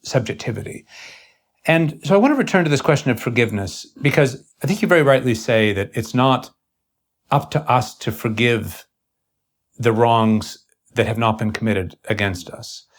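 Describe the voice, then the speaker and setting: Man, mid-pitched voice, intellectual interviewer, halting and searching, formal wording, earnest conversation. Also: expressive.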